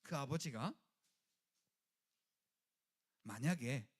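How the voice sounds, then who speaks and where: A man's voice: animated, normal speed, slightly rough. A male pastor preaching a sermon in a colloquial, dramatic way, acting out quoted lines and joking with the congregation. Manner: dramatic, acts out quoted lines with swings in pitch and loudness.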